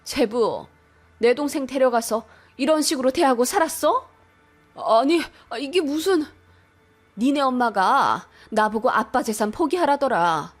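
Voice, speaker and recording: A woman voicing a protective older sister who speaks sharply and loudly in a radio story. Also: fairly high pitch. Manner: sharp, indignant, loud.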